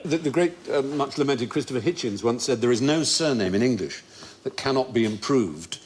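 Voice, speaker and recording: A man's voice: medium pitch, animated, a little fast, darkish tone, a little hiss or hum. A man hosting a comedy quiz show, telling anecdotes playfully and often laughing. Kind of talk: lively panel show banter. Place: TV studio with live audience.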